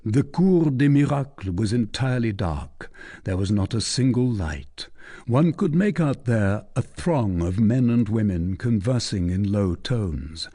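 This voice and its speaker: Slow, expressive male audiobook narrator. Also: lowish voice. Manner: measured, expressive storytelling.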